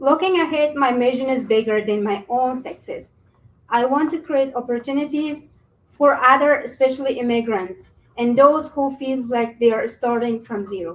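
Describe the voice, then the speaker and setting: This woman's voice is pitched high. She has a non-native accent. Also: ordinary pitch variation, moderate pace. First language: not English. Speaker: tech training program intern. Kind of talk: prepared speech. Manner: halting, with fillers and restarts.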